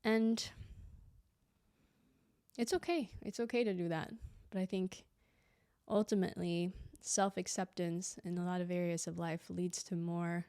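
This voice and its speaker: A woman's voice: lowish voice, steady tone, unhurried, warm tone, no room sound, studio quality. A young woman hosting a solo podcast in a reflective, conversational way, sounding a little stuffy and slightly lispy from a dental aligner. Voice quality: a bit lispy from a clear aligner. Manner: reflective, conversational, many fillers and asides. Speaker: podcast host. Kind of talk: casual solo podcast monologue.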